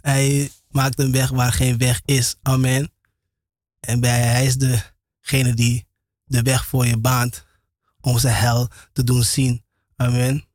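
A man on Christian radio giving a fervent, halting testimony full of restarts and laughter. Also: mid-range voice, darkish tone, dry recording, clean studio sound. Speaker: radio host. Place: radio studio.

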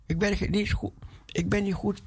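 A man's voice: high voice, flat delivery, moderate pace, darkish tone, breathy edge, pitched above the performer's own voice. A man voicing Moses as a pleading old man who stammers out excuses. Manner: begging, repetitive.

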